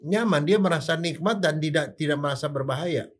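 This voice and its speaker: An older man with a somewhat high voice explains things the way a doctor would. He keeps it casual, tossing out rhetorical questions and playful sound effects as he goes. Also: fairly quick, slightly rough. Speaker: forensic doctor.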